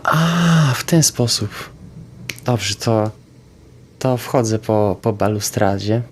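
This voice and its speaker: A man with a lowish voice plays a tabletop roleplaying game. He talks slowly and haltingly, casually describing what his character does. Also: lively intonation. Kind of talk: casual tabletop play, narrating own moves.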